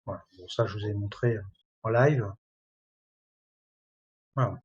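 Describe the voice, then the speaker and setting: A man presenting and demoing software in a webinar, talking in a halting way and filling pauses constantly. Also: on the low side, slightly rough, dull audio. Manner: hesitant, many fillers like voilà and hein. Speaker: product presenter.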